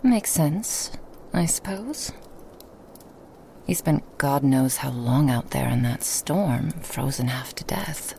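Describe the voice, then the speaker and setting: A woman playing a lonely, hospitable woman in a remote forest cabin, speaking softly and coaxingly in a half-whisper to the listener. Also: very deep voice, animated, takes it slowly, gravelly, a little hiss or hum, full character voice. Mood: gentle. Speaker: ASMR roleplay performer. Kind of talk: ASMR roleplay, whispered to the listener.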